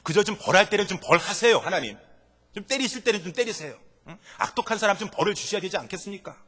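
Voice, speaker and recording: A man's voice: high-pitched, very animated, quick pace, fairly bright tone, pitched above the performer's own voice, heavily acted. A male pastor acting out an indignant prophet who protests to God in a nagging, pleading way, in a church hall. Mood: complaining.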